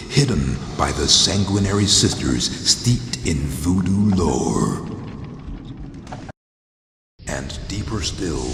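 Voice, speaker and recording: An actor playing a brooding undead voodoo warrior and grim lord of the dead in a video game, with a very deep, gravelly voice and an ominous, theatrical, poetic delivery. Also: male voice, fairly bright tone, full character voice. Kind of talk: dramatic scripted game monologue. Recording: long cavernous reverb, clear background noise.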